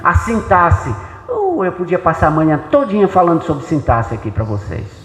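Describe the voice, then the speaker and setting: A man's voice: fairly high pitch, big pitch swings, moderate pace, fairly bright tone. A man with a Brazilian Portuguese accent giving an informal church lecture, explaining things conversationally and checking in with rhetorical questions. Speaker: pastor and Bible translator giving a talk. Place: church hall. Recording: echoey hall with long reverb.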